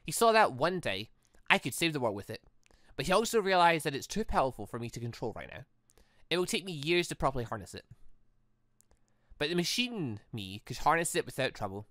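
A let's player voicing an earnest, devoted young female android, reading a visual novel aloud with halting delivery. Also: mid-range voice, sing-song, a bit bright, dry recording, studio quality. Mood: reflective.

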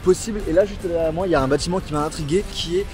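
A man's voice: fairly high pitch, very fast, a little mellow, faint music behind. A young man in his twenties, talking to a handheld camera as he walks around a football stadium, chatty and enthusiastic as he explains what he sees. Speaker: football vlogger. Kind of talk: casual walk-and-talk vlog narration. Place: outdoors around a football stadium, then in the stands. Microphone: handheld camera at arm's length.

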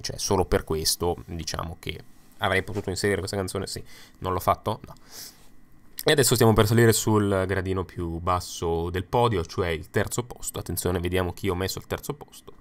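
A young adult man hosting a casual, opinionated video commentary, chatting with frequent fillers and asides. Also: low voice. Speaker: YouTube host ranking songs. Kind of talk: casual spoken commentary over slides.

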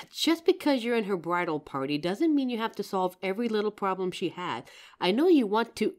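A woman's voice: medium pitch, animated, a little fast, lightly acted. A woman playing a loving, protective girlfriend in an intimate comfort roleplay, tender and earnest with some teasing. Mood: earnest, probing. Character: loving, protective girlfriend reassuring her partner. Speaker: audio roleplay performer.

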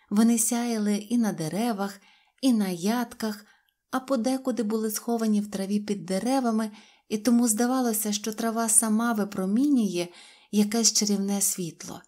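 Woman, audiobook reader, fairy-tale narration, gentle expressive storytelling. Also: mid-range voice.

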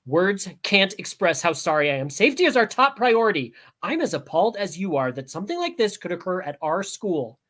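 A woman voicing an indignant, overprotective mother who prattles on in a shrill, outraged way. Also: sing-song, a little fast, few pauses, a bit bright.

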